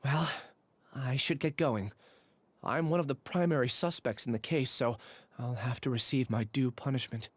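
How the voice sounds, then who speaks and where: An actor playing a gentle, remorseful young man in a video game, soft-spoken and earnest. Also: medium pitch, normal speed, breathy edge, no echo, lightly acted. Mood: resigned.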